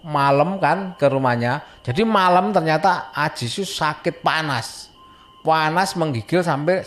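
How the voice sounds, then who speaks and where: A man casually telling a spooky true story, full of fillers and self-corrections. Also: medium pitch. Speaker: storyteller recounting a childhood event. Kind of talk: casual spoken horror storytelling.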